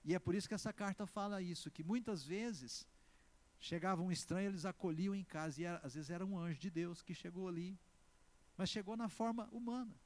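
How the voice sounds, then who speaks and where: A man with a Brazilian Portuguese accent preaching a sermon as pastor. He is emphatic, swings between loud exclamations and slow, stressed words, and keeps calling on the congregation to answer. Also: high-pitched. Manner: asks the congregation for responses.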